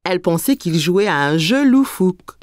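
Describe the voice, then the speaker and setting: A woman narrating a children's cartoon as a warm, scripted storyteller. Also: lowish voice, expressive, moderate pace, dry recording, natural voice. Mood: storytelling. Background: faint music.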